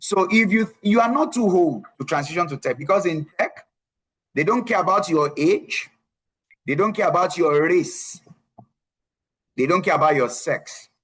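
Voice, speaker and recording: Man, slightly high pitch, emphatic, repeats himself, online career coach. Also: lively intonation, moderate pace, fairly bright tone, husky. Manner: emphatic, repeats key phrases, frequent tag "right?". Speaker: tech career coach presenting a webinar. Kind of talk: live online presentation with screen share.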